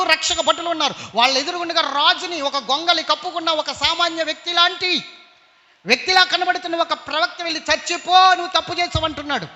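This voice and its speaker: Man, pastor, sermon, very high voice, repeats his questions, long church-hall reverb. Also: bright, forceful tone, dull audio. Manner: emphatic, rhetorical questions repeated.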